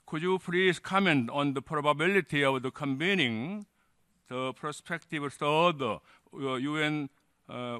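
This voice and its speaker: Man, slow halting delivery, bright tone, formal delegate at a panel, conference hall. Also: mid-range voice. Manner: halting, many uh fillers, formal. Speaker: delegate asking a question.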